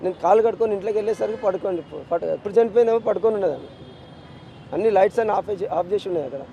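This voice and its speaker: Speaking in a racing, high, mellow voice, a middle-aged Telangana Telugu-accented father who has lost his child repeats his demands with anguished insistence during a street news interview outdoors in the city. The audio has its highs cut off and a bit of background noise.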